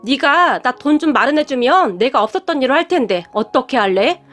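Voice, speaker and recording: A woman's voice: sits high, animated, a little fast, fairly bright tone. A woman voicing a greedy, scheming middle-aged aunt in a taunting, sneering manner, over faint music.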